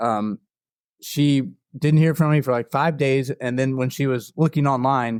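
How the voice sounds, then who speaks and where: An ordinary speaking voice from a man with a medium pitch comes at a moderate pace with fairly even intonation, dry and close with no echo in a very clean recording with a silent background. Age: 30s. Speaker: guest with brain injury. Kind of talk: interview storytelling.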